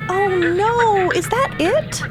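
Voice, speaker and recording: A woman performing animated scripted storytelling as a narrator in an audio drama. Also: very high voice, slow. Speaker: podcast narrator. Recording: music under the voice. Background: background music.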